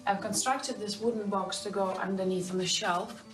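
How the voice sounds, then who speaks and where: A woman's voice: medium pitch, steady tone, moderate pace, recorded from a distance. Woman from Estonia, earnest home video tour, echoey room, recorded from afar, faint music behind. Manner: earnest, slightly non-native phrasing. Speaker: viewer showing her indoor garden. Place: home interior with plants.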